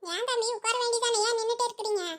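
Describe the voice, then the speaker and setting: Cartoon auntie voiced by a woman: very high, quick, fussy chatterbox. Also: steady tone. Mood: fussing, welcoming. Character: chatty middle-aged village woman, elder sister-in-law. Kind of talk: cartoon voice acting.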